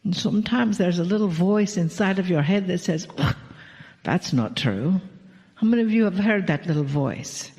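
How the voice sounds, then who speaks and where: A woman channeling a spiritual message to a live audience, speaking slowly and drawing out her words, often dropping into soft whispered phrases. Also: medium pitch. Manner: slow, drawn-out delivery with soft whispered phrases. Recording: echoey hall, dull lo-fi sound.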